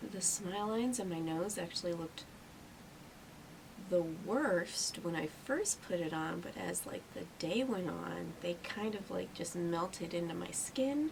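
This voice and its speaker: Ordinary pitch variation and a fairly slow pace, with noticeable background noise behind. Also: woman, fairly low pitch for a woman. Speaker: beauty vlogger. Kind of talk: product review and makeup tutorial. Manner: casual, chatty.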